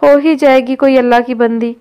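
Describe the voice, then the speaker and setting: Lady narrator doing a fed-up young guy, smooth clear voice. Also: sits high, steady tone, dull audio. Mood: exasperated. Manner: exasperated. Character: exasperated young man, groom's brother.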